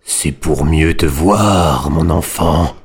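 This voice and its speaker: A woman voicing a sly male wolf in disguise, speaking slowly with a drawn-out, menacing manner. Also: very deep voice, husky, voice pushed down, full character voice.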